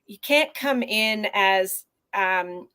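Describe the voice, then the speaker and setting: A woman neonatologist from Canada answering interview questions over a video call in an earnest, measured way. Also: medium pitch, sharp tone, clear, resonant tone. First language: not Portuguese. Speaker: neonatologist guest.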